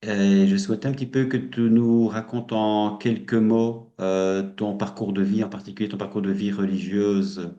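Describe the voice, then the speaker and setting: A man interviewing a guest, asking questions in slow, searching phrasing. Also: lowish voice, level tone, mellow, muffled recording. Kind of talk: conversational interview.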